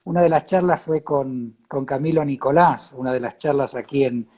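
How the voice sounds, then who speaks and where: A man with an Argentine accent hosting a casual, reflective chat, halting and repeating words as he searches for phrasing. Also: medium pitch, darkish tone. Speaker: host of a talk series.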